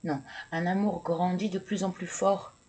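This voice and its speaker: Card reader, female, casual, stammers while thinking aloud, unhurried delivery. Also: fairly low pitch, fairly even intonation, mellow, poor audio. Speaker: tarot and oracle card reader. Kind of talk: casual card-reading video.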